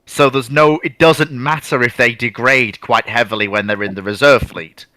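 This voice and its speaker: A man with a bright, crisp-edged voice, recorded very dry and close. He explains informally as a discussion panellist, using colloquial turns and stacking one point on another. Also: medium pitch, steady tone, moderate pace, dry recording. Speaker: naval history discussion panellist.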